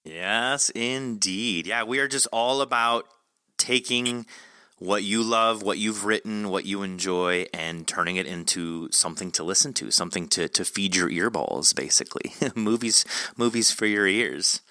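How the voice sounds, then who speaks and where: A man's voice: on the low side, unhurried, sharp tone, dry recording, clean studio sound. A man hosting a casual podcast interview, chatting informally with guests. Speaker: podcast host.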